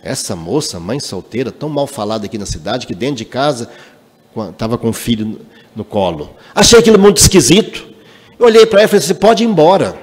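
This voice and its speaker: Lively man lecturing. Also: on the high side. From Minas Gerais, Brazil. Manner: emphatic, animated storyteller. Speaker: lecturer at a spiritist center. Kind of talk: spiritual lecture with personal storytelling. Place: spiritist center meeting hall. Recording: long hall reverb.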